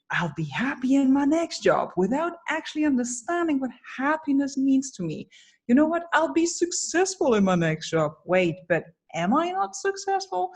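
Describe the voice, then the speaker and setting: A woman, a business coach giving candid, emphatic interview answers. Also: medium pitch. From Germany. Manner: energetic, candid, emphatic storytelling. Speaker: guest, personal branding coach.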